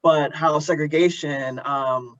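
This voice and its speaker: A man with a fairly high-pitched voice hosts an earnest conversation. He is reflective and halting, often repeating words as he works toward a point. The recording is a little dull and lo-fi. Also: steady tone, fairly bright tone. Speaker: interviewer and host of an audio drama community event. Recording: dull lo-fi audio.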